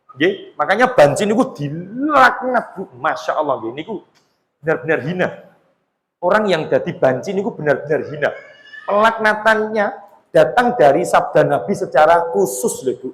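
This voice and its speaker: A man with a high voice and a Javanese accent preaches in a relaxed, joking way, talking straight to the women in front of him. His voice rings out through a large hall with a long, echoing tail. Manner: chatty, joking, mixes Javanese into Indonesian, addresses women in the audience. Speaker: Islamic preacher. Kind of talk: humorous religious lecture. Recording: echoey hall with long reverb.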